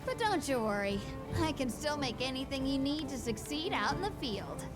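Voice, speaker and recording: A woman's voice: sits high, big pitch swings, normal speed. A woman playing a friendly, upbeat young blacksmith in a video game, casual and reassuring, with music behind her. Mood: reassuring, confident.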